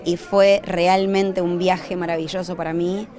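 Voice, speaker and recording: A woman's voice: fairly low pitch, little pitch movement, a little slow, music in the background. A woman, an actress, speaking personally and sincerely in a casual interview. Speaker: actress and singer.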